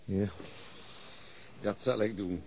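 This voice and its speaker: An actor playing an embittered, principled middle-aged police detective in a radio drama, gruff and outspoken. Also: male voice, lowish voice, steady tone, slow, darkish tone, slight background noise. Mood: resigned. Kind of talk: radio drama acting in Dutch.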